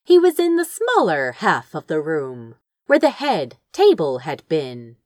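Highly animated woman reading a story slowly. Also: no room sound, studio quality. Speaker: audiobook reader of fan fiction. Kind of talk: expressive dramatic scripted narration.

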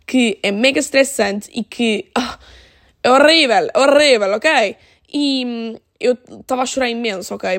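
A young woman with a European Portuguese accent hosting a casual solo podcast, animated and dropping in English phrases. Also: a little high, vocal fry, no room sound, clean studio sound. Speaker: podcast host.

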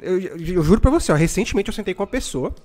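A Brazilian man in his twenties hosting a live stream, telling stories in casual, slangy, animated motivational chat. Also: sits high, racing. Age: 20s.

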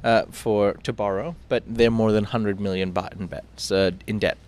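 A British man hosting a morning TV show chats casually through the news, self-mocking and full of fillers and restarts. His voice is fairly low, steady and darkish, at a normal speed, with no echo.

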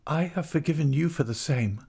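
A man's voice: a little high, normal speed, creaky, a little mellow, breathy edge, pitched above the performer's own voice. A man voicing a desperate, pleading young wife, devoted and frightened, in a dramatic audiobook reading. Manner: imploring, emotional.

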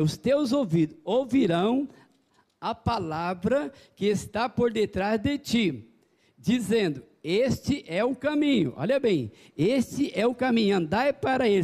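High-voiced preaching man. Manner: folksy, animated preaching with calls to the congregation. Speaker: pastor. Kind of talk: evangelical sermon.

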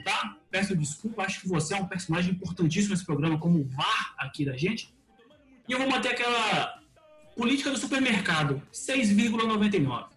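A man co-hosting a comedy podcast, speaking in a mock-formal, deadpan jury manner. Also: high-pitched, echoey room, poor audio. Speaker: podcast co-host judge.

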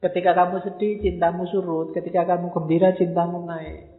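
A man's voice: high-pitched, flat delivery, a little fast. A man giving a casual, humorous lecture, acting out quoted lines as he goes. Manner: humorous, mixes in quoted lines and local slang. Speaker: speaker giving a talk on love. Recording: echoey hall, tinny phone-like sound.

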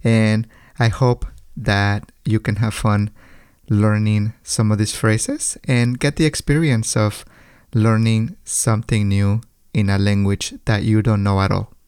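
A man hosting a podcast, explaining things to language teachers in a measured monologue with careful, chunked phrasing. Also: on the low side, steady tone, darkish tone, clean tone, dry recording, studio quality. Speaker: podcast host and language educator.

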